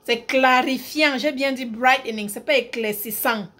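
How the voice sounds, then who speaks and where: A woman's voice: sits high, a little slow, fairly bright tone. A woman who runs a skincare brand, talking casually to camera, emphatic and repeating her key points, mixing in English words.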